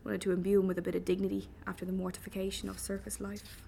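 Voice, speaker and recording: A cheeky Irish young lad with a lively, teasing, slangy patter, as a woman reader puts him on. He talks with a gravelly edge at an ordinary middle pitch, in a storybook reading. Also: fast, background noise, close to an everyday voice. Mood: cheerful. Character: young Irish man, cheeky animal-loving rogue.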